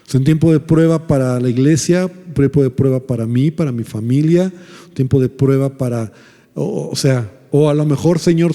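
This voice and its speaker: Male Mexican pastor, storytelling sermon, warm and mellow, long church reverb. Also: a little high. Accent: Mexican Spanish. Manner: storytelling, recounting dialogue with pauses and restarts.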